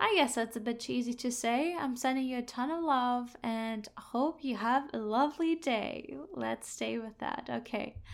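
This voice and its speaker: A woman with a high pitch speaks in a relaxed tone at a fairly slow pace. She barely pauses, and her pitch varies in an ordinary way. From Germany, Hamburg. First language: German. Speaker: spiritual podcast host, healing coach. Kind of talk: unscripted personal storytelling monologue. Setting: solo in front of a microphone. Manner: flowing, relaxed.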